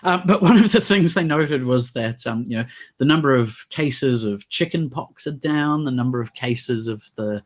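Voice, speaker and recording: An Australian man at a party chats over a video call, rambling and joking in a wry way. His medium-pitched voice is expressive and moves at a moderate pace.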